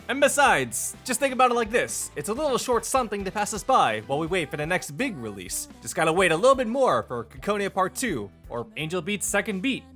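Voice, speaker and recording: A man's voice: high voice, bright, forceful tone. A man narrating a scripted review with an emphatic, wry delivery. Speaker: video game reviewer. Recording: music behind the voice. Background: background music.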